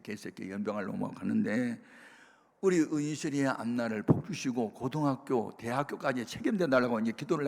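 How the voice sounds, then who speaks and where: A male pastor giving a sermon testimony, telling his story with animated bursts of loud emphasis. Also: on the high side, gravelly. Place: prayer retreat sanctuary. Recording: reverberant worship hall.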